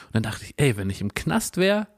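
A man's voice: medium pitch, very animated, brisk. A man co-hosting a podcast in casual chat, making dry jokes and laughing often. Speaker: podcast co-host.

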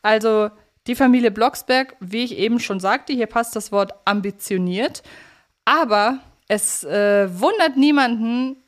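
A woman's voice: on the high side, a little slow. Woman podcast host, casual review chat.

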